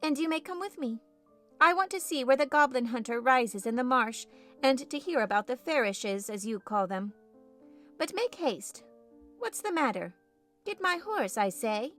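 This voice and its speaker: A haughty, spoiled young girl in a storybook, played by a woman reader. Her voice is high and very animated. She is demanding and petulant, quick to take offence and grow upset. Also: faint music behind. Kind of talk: audiobook character voice.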